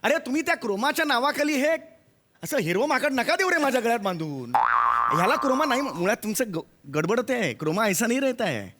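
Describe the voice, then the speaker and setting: Exasperated high-voiced man complaining loudly. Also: sing-song, fairly quick, slight background noise. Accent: Marathi. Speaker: veteran actor in a comedy sketch. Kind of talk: stage comedy sketch.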